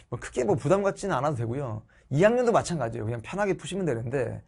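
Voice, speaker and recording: A man's voice: fairly high pitch, vocal fry, a little mellow. A middle-aged man teaching social studies online, chatting casually to his students while he gets over a cold. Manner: chatty, speaks to viewers as students. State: recovering from a cold.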